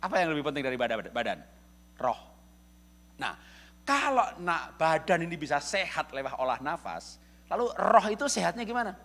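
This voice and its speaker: A middle-aged male pastor from Indonesia giving a lively, humorous church sermon, often chuckling as he speaks to the congregation. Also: on the high side, moderate pace. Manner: jokey, addresses congregation as "saudara", chuckles often. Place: church service.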